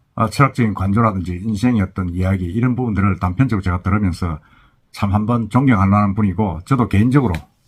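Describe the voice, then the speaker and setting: In a very clean recording with a silent background, a somewhat breathy man speaks very fast at a fairly low pitch with ordinary pitch variation. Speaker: YouTube channel host. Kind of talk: spoken summary of a TV documentary. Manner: casual, with hesitations.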